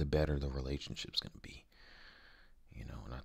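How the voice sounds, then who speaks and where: The voice has a bright, sharp tone with vocal fry. Its intonation is monotone and flat, over a quiet background. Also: man. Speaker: vlogger. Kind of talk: casual vlog chat. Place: home room. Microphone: handheld.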